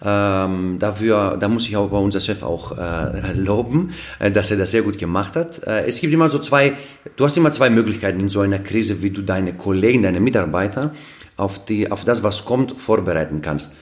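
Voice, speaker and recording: A man with a slightly low voice who is not a native speaker talks as a podcast guest. He explains things earnestly, one everyday example after another, with frequent fillers and restarts as he hunts for the right word. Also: moderate pace. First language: not German. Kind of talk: casual explanatory talk.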